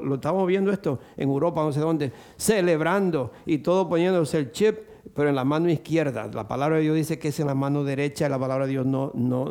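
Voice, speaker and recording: An older male preacher delivers an animated sermon in a somewhat high voice. He acts out the voices he quotes and climbs into excited bursts. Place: church.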